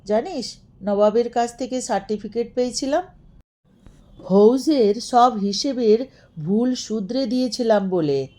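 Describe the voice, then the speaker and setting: A woman storyteller voicing an old aristocratic gentleman ghost, boastful and commanding yet kindly, with pompous, emphatic speech. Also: fairly high pitch, lively intonation, a little slow, pitched above the performer's own voice. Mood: bossy, boastful.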